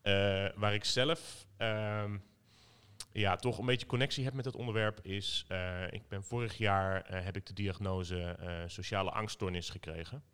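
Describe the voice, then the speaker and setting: A man's voice: on the low side, steady tone, a little slow, fairly bright tone, clear, resonant tone. A Dutch man, a political candidate, talking in a casual panel with many fillers and restarts.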